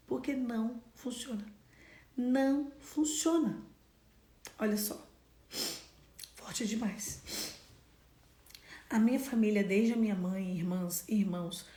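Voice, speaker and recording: A woman with a Brazilian Portuguese accent giving an earnest devotional sermon and prayer, often dropping to a soft whisper for emphasis. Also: on the high side, roomy sound. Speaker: preacher.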